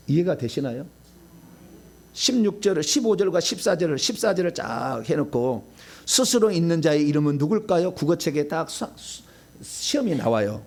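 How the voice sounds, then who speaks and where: Middle-aged male pastor, lively sing-song delivery, asks the room questions. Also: sits high, creaky. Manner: animated teaching, asks the audience questions, laughs at own slips. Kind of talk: sermon lecture.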